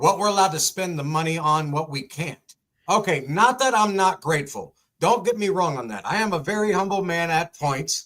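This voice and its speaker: Loud and lively in intonation, a man talks at a fairly quick pace with a high pitch. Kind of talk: casual chat.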